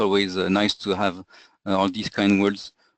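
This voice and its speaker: A fairly quick-paced man with a French accent and a fairly low pitch, in a dry, close sound with no echo over a quiet background. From France. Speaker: trading software developer. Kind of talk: webinar presentation. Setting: online webinar. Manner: halting, many fillers and repetitions.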